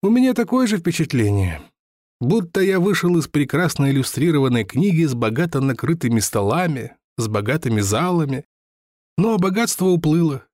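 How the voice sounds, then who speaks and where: A man's voice: a little high, very animated, moderate pace, a little mellow, no room sound, studio quality, pitched above the performer's own voice. A man reading an audiobook, voicing a touchy, formal older lottery seller who talks in a pompous, stiffly polite way. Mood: rueful.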